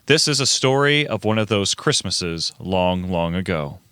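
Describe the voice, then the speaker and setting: Amateur male narrator for a radio play reading: bright voice, mid pitch, dry close recording. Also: lively intonation, unhurried, clean tone, dry recording. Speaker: narrator and reader of all parts.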